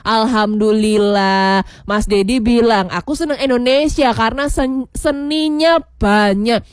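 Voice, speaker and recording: A woman's voice: fairly high pitch, a little slow, clean tone, no room sound, clean studio sound. A woman radio host, chatting casually on a morning show, laughing often and slipping into regional words, her voice a bit worn. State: voice worn from shouting. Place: radio studio.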